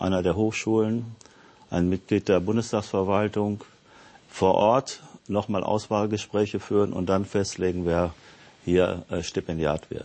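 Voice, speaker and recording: Very slowly, a man speaks in a fairly low voice with fairly even intonation. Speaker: member of parliament. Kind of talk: panel discussion.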